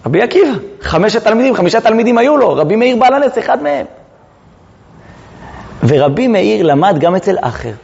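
Animated man teaching in a reverberant hall. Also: high-pitched, creaky. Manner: dramatic, rhetorical questions to listeners. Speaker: rabbi teaching Talmud. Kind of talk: Talmud lesson with animated storytelling. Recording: reverberant hall, dull lo-fi sound.

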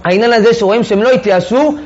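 A man's voice: extremely high pitch, lo-fi sound. A man teaching a Torah text class, reading sources aloud and then explaining them in casual everyday speech. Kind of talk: text-study lesson to a class.

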